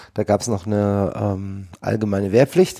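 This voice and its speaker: Speaking at a fairly slow pace, the man has a dark, mellow tone. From Munich, Germany. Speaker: film editor. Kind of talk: interview.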